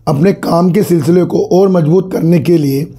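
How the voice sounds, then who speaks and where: A hoarse man with a cold hosting his own stock market channel, chatting casually to viewers, addressing them as sir and repeating his phrases. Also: fairly high pitch, moderate pace, dark tone. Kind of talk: casual market commentary to camera.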